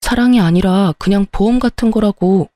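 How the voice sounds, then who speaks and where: A woman's voice: mid-range voice, normal speed, dark tone, no room sound, natural voice. A woman voicing a cheating husband who whines and makes excuses. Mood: pleading. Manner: whining, making excuses. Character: cheating husband, defensive and pleading.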